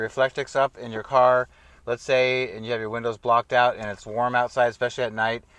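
A man talks at a very fast pace. The sound is dry, with no echo. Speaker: car-living vlogger. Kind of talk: casual vlog tutorial. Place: car. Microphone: lapel.

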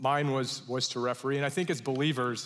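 Fairly quick speech from a man, quiet background. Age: 40s. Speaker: former basketball referee, speaker. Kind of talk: testimony. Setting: church stage with audience. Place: church.

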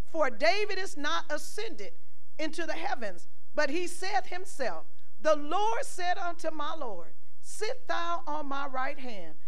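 Fairly slow, high-pitched female speech. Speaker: preacher. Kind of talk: sermon. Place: church. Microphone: handheld.

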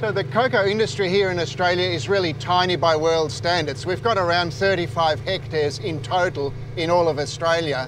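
Recorded with a dry sound with no echo but noticeable background noise, a man speaks at a moderate pace and a high pitch. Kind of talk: interview answer. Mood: relaxed, amused. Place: farm machine.

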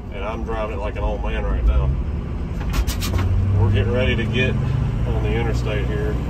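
A man's moderate-paced speech comes through loud background noise. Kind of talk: casual vlog chat. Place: car. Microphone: phone near.

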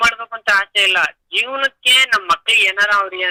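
Raising and projecting his voice, a man speaks at a high pitch with ordinary pitch variation and a dry, close sound with no echo. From Karnataka, near Shivamogga. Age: 50s. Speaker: caller, private tutor. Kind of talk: phone-in advice call. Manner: halting.

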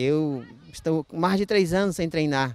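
The speech moves at a fairly slow pace with ordinary pitch variation, in a dry sound with no echo. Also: man. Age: 40s. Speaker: cyclist. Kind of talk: interview. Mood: cheerful, grateful. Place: open country. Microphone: handheld.

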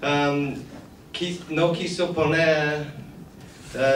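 A man with a non-native accent speaks over light background noise, with audible room echo. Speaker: documentary filmmaker. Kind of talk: public presentation speech. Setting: museum event with audience. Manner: halting. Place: hall. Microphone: pa.

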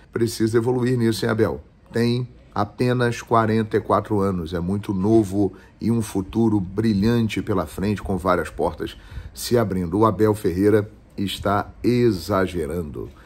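Speech comes at a fairly slow rate, and the pitch rises and falls in an ordinary way. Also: man, fairly low pitch for a man. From Brazil. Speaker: football commentator and YouTuber; football commentator, YouTuber. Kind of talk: sports commentary monologue. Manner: animated. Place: home room. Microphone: phone near.

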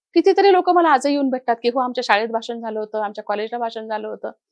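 A woman speaks with lively intonation and a high pitch. The sound is dry and close, with no echo. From Maharashtra, Vidarbha and Pune. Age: 50s. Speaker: social worker running an NGO. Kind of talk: interview. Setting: studio.

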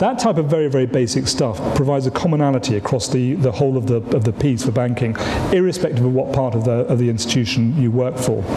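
Very fast speech with ordinary pitch variation and very even loudness, plus light background noise and audible room echo. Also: man. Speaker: politician answering audience questions. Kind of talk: interview answer. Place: stage.

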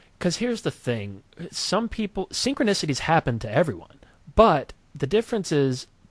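Recorded very clean with a silent background and a dry, close sound with no echo, the speaker uses very wide pitch swings and an American accent at a moderate pace. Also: man. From California. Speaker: podcast host. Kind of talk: interview.

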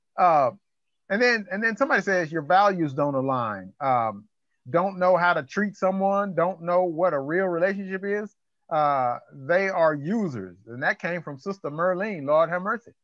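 A man with a Southern US accent speaks at a moderate pace with lively intonation. The sound is dry with no echo, over a quiet background. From US South. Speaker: church singles group leader. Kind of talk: group discussion facilitation. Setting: video call. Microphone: video call.

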